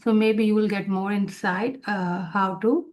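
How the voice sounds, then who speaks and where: A woman with a South Asian accent and native Urdu gives an informal exam review lecture in a halting, repetitive, encouraging way. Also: mid-range voice, steady tone, a little mellow. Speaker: exam review instructor for nursing students. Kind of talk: informal lecture, explaining tips.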